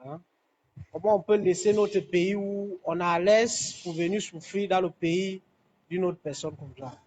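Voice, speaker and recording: A man from Cameroon's anglophone South-West calls in to a live stream from a construction site. His voice sits quite high, and he speaks hesitantly, often repeating himself. Faint site ambience runs behind him. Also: measured pace, darkish tone, slight background noise, poor audio. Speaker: caller. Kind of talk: phone-in call to live stream.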